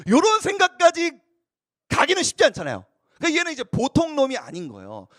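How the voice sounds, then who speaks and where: A man's voice: very high voice, no room sound, clean studio sound. A man preaching a casual youth sermon, telling stories and acting out the quoted lines. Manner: animated storytelling, acts out quoted lines. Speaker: youth pastor.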